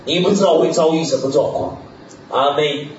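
A man preaching a sermon in an animated way, peppering his talk with hallelujah and amen, chuckling often and sometimes bursting into shouts. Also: fairly high pitch, normal speed, a little hiss or hum. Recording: echoey hall, distant mic, dull lo-fi.

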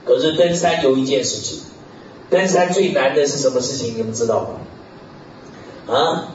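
A man preaching a sermon in an animated way, peppering his talk with hallelujah and amen, chuckling often and sometimes bursting into shouts. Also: mid-range voice, moderate pace, a little hiss or hum. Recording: echoey hall, distant mic, dull lo-fi.

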